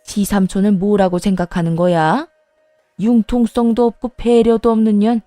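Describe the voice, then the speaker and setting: A woman's voice: medium pitch, little pitch movement, moderate pace, no room sound, soft background music, lightly acted. A woman voicing a harsh middle-aged mother-in-law who berates and insults her daughter-in-law in a Korean radio story reading. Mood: angry. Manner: berating, insulting, shouting accusations.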